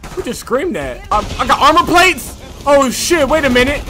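Excitable young man streaming a game. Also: very high voice, normal speed, over music. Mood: excited. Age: young adult. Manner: loud, excitable, profane. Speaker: gaming streamer. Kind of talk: casual gameplay commentary. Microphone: headset.

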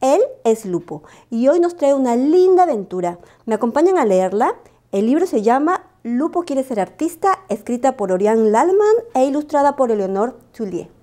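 A woman hosting children's story time with a bright, sing-song, welcoming delivery, addressing young listeners. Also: high voice, sing-song, normal speed. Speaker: host reading children's storybooks.

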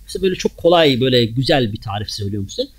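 A man giving a Friday sermon in a mosque, preaching in a lively way and throwing rhetorical questions at the congregation. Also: mid-range voice, very fast, breathy edge.

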